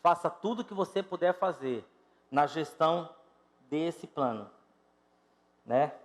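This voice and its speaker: A fifty-something Brazilian pastor preaches with a slightly high-pitched voice, calling out to the congregation and then dropping to near-murmurs. His voice rings with the long reverb of a church hall. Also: expressive, unhurried. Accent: Brazilian Portuguese. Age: 50s. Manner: emphatic, rises and drops sharply in loudness, addresses congregation directly. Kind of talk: sermon. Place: church sanctuary.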